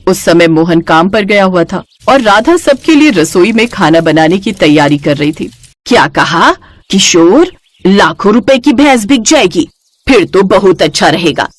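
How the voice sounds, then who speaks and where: A woman narrating a cartoon moral story for children in a lively storytelling way. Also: mid-range voice.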